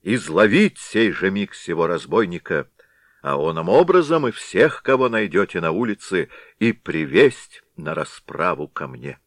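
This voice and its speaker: Man as pompous grey old village head, shouting and sputtering threats, dry close recording. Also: sits low, big pitch swings, unhurried, no echo. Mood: commanding. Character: blustering grey-haired one-eyed village head. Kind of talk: audiobook reading.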